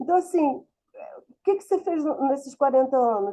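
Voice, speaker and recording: A woman speaks at a high pitch with a dark, mellow tone. Her pitch swings very widely at a moderate pace. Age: 60s. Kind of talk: lecture. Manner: animated.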